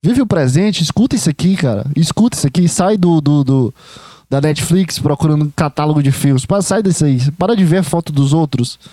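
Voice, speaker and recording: A young man, hosting a podcast in a rambling casual monologue, excitable and swearing freely as he speaks straight to the listener. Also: fairly high pitch, fairly quick, no echo, studio quality. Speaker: podcast host.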